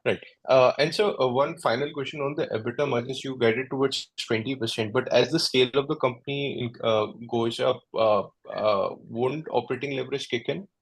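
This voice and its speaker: A man, an analyst asking halting, polite questions on a conference call. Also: medium pitch, fairly even intonation, gravelly, husky, dry recording, rough recording. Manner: halting, polite, searching for words.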